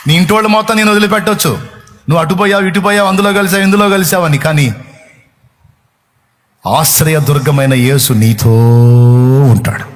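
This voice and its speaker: A male pastor delivering an impassioned sermon. His voice sits a little high. He keeps pressing his listeners with rhetorical questions. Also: fairly quick, long pauses, a bit bright.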